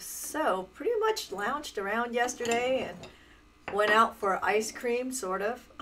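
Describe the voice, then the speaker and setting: A woman's pitch varies in an ordinary way as light background noise sits behind her. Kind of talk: casual livestream chat. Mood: relaxed, cheerful, laughing. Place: workshop.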